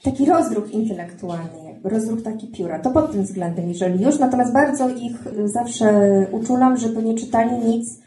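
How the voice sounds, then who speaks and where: A woman's voice: fairly high pitch, normal speed, few pauses, mellow, roomy sound. A woman, a book editor, talking in a podcast conversation, thoughtful and hesitant, with many fillers and restarts.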